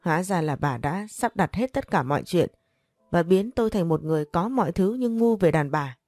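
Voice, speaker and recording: A woman's voice: lowish voice, animated, moderate pace, a little mellow, no echo, soft background music. A woman narrator voicing a stern older man, the betrayed head of the household, who speaks in a harsh, accusing way. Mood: bitter. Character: stern aging male patriarch, betrayed and cold.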